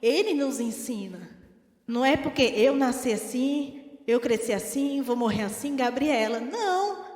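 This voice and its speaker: A woman with a Brazilian Portuguese accent preaching a teaching sermon in an animated way, acting out the voices she quotes. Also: high voice, measured pace, faint music behind. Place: church hall. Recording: echoey church hall.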